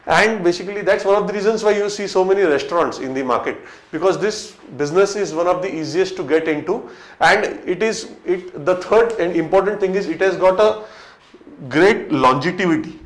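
A man's voice: sits high, a little fast. A man in his thirties with an Indian English accent, talking to camera in front of a whiteboard as a business coach, with many fillers and restarts. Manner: conversational, many fillers and restarts, gesturing while explaining. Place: small room in front of a whiteboard, indoors. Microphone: fixed camera, medium shot. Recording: echoey small room.

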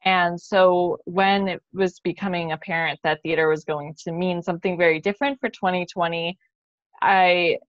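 A young woman with a somewhat low voice explains things casually and candidly. The sound is dry and a little lo-fi, as picked up by a computer on a video call. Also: fairly even intonation, normal speed, dry recording. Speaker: playwright, guest. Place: living room at home. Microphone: computer mic on a video call.

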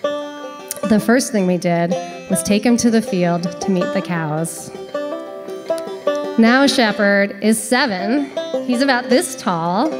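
A woman tells a personal family story with a slow, deliberate delivery. Her voice sits in a middle register. Clear banjo music plays underneath. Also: mid-range voice.

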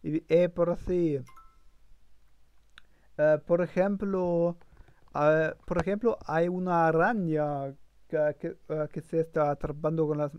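Male streamer, slow and halting, clear but dull dry home-mic sound. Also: a little high, fairly even intonation, dry recording. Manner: halting, many fillers and restarts. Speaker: streamer learning languages. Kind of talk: live-streamed language practice.

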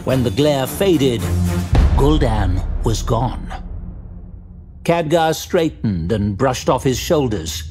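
A man's voice: mid-range voice, expressive, slow. Male narrator over music. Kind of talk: dramatic scripted fantasy narration.

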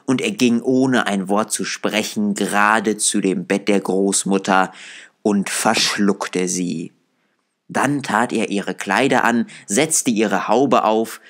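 A man narrates a fairy tale as a storyteller. His voice sits fairly low, and he reads the scripted text at an unhurried, very slow pace.

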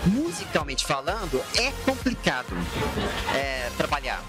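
A man's voice: fairly high pitch, sing-song, a little slow. A young man with a Brazilian accent, interviewing in a casual, chatty style on a handheld recorder. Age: young adult. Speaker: interviewer and music producer. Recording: music playing behind the voice.

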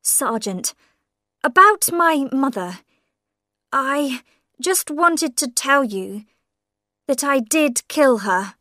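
A woman voicing a quiet, strained man who speaks in a withdrawn way in a storybook reading. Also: high-pitched, lively intonation, extremely slow, long pauses, dry recording, studio quality, pitched above the performer's own voice, exaggerated voice. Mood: tense. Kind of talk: audiobook character voice.

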